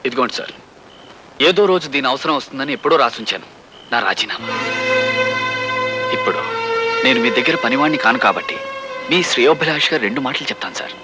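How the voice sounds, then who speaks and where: A man's voice: medium pitch, expressive, fast talker, pauses often, lightly acted. An actor playing a respectful employee who resigns and offers his boss earnest advice. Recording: film soundtrack under background music.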